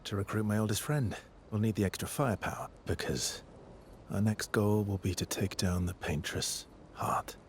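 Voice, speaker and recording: A man playing a deep-voiced weary expedition veteran. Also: steady tone, moderate pace, slight background noise, natural voice. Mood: grave. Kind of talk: video game cutscene acting. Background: cello and double bass score.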